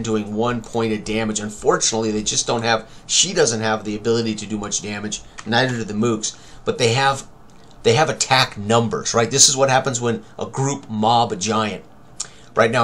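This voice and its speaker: An older man, around his sixties, talks through a tabletop game tutorial in a casual way. His voice sits at a middle pitch, and he narrates step by step in short, clipped fragments from his seat at a computer. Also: a bit bright, slight background noise. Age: older, around 60s. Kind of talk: casual tutorial commentary while rolling dice. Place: small room indoors at a computer.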